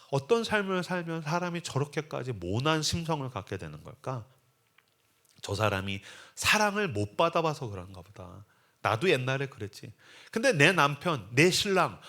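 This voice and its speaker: Guy doing a tired flower shop lady, sighing, grumbly and kinda quiet. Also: fairly high pitch, very animated, normal speed. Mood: reflective. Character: weary adult woman flower seller, grumbling.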